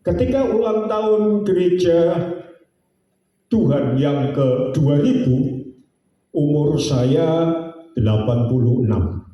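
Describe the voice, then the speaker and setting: A man, preaching a sermon as pastor in a drawn-out, sing-song way with homely jokes. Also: on the high side, animated, dull audio. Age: 70s. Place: church sanctuary. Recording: very echoey church hall, distant mic.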